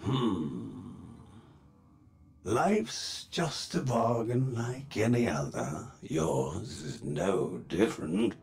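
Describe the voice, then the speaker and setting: A calculating corporate patriarch from a video game. He speaks slowly and theatrically, with wide swings of pitch and silky condescension, over faint music. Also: wildly swooping pitch, gravelly, a little mellow, heavily acted. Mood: brooding, persuasive. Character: calculating, silky corporate patriarch, middle-aged or older man, villain. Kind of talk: video game villain monologue.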